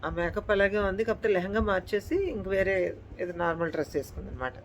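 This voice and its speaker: A woman's voice: mid-range voice, lively intonation, fairly quick, slight background noise, rough recording. Woman telling a true horror story. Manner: repetitive, addresses listeners politely. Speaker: storyteller, channel host. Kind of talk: casual spoken storytelling.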